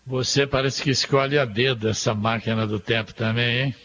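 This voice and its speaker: A man's voice: mid-range voice, fairly even intonation, moderate pace, fairly bright tone. A Brazilian man giving conversational opinions as a radio sports commentator. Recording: dull sound with faint noise.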